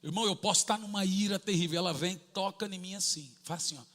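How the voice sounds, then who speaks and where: A middle-aged man, preaching a sermon full of personal stories, acting out family dialogue and breaking into sudden shouts. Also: high voice, quick pace, long reverb tail. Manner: animated, acts out family dialogue, bursts into shouts. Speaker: pastor.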